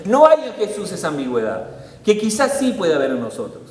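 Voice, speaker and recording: A man with a Rioplatense accent preaching a sermon in a church hall, animated and acting out scenes with little voices. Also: sits high, fairly quick, recorded from a distance. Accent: Rioplatense Spanish. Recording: echoey hall, long reverb.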